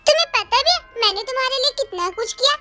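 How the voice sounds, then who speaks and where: A high young voice acts out an obsessive young man in a fan audio drama, cooing sickly-sweet endearments before dropping into low threats. The voice itself sits very high. Music plays clearly underneath. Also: expressive, racing. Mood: mock-sweet.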